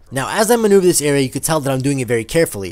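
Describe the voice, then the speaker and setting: A man with a fairly high voice makes very wide pitch swings. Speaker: gaming youtuber. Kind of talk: gameplay tutorial commentary. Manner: fast; casual, filler-heavy.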